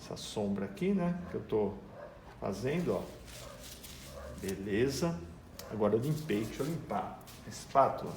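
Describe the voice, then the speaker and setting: A man's voice: fairly low pitch, lively intonation, moderate pace, pauses often, a little mellow, echoey room, slight background noise. A man with a Brazilian Portuguese accent teaching painting step by step, chatting casually as he works in his home garage. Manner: chatty, explains as he works, talks to his dog. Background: dog whining and barking.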